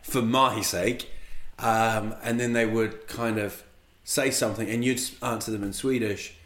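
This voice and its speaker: A man hosting a podcast, a stand-up comedian, asking his guest questions in a relaxed, chatty way. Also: lowish voice, measured pace. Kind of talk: casual podcast interview.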